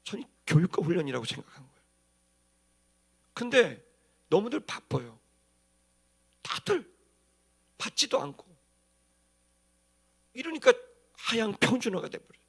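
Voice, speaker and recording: A man's voice: high voice, huge pitch swings, unhurried, creaky, pauses often, fairly bright tone, slightly rough. A man preaching as a pastor, telling stories in a colloquial, dramatic way with acted-out emphasis. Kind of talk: animated sermon with storytelling.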